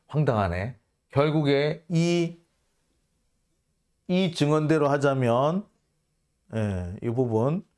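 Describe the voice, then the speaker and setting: Lively, indignant male commentator. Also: fairly high pitch. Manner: sarcastic, indignant, mocking; rhetorical questions aimed at the reporter. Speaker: host and journalist commentator. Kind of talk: casual commentary on a news report.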